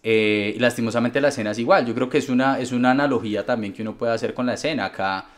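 A man with a Colombian accent, a DJ guest telling stories in a casual, relaxed interview with many fillers. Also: mid-range voice, fast talker. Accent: Colombian Spanish. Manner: relaxed storytelling with frequent fillers.

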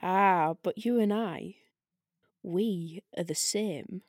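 A woman playing a taunting disembodied spirit in an audio drama table read, with a drawn-out, needling delivery. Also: fairly low pitch, darkish tone, no echo, clean studio sound. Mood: coolly persuasive. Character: taunting disembodied arcane spirit, silky and provoking.

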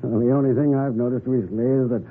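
An actor playing a gruff, folksy small-town police sheriff with a rustic drawl in a 1940s radio drama. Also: male voice, mid-range voice, steady tone, quick pace, close to an everyday voice. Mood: plain, helpful. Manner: folksy, plain-spoken. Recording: muffled, noisy 1940s radio recording.

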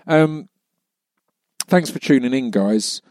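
A man's voice: medium pitch, expressive, slow, a little mellow, no room sound. A British man hosting a podcast, chatting casually in a rambling, self-deprecating way. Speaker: podcast host. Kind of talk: casual chat.

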